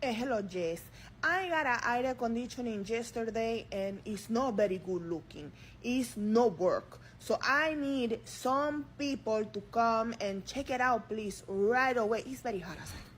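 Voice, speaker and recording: A woman putting on a heavily accented caller leaving a voicemail about a broken air conditioner, in halting broken English. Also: a little high, natural voice, low-quality recording. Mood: pleading. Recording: voicemail playback with faint noise.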